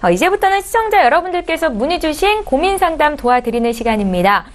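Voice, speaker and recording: A woman's voice: high voice, fast. A woman hosting an insurance advice broadcast, speaking in a polite, formal presenter's manner. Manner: polite, formal, lively delivery. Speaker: show host.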